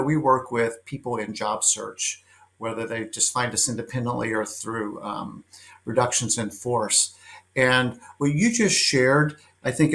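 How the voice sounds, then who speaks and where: A man's voice: medium pitch, a bit bright. A man hosting an interview over a video call, reading a guest introduction and then chatting in an eager, affirming way with many ums and uhs. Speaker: talk show host. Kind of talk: interview, opening with a read introduction.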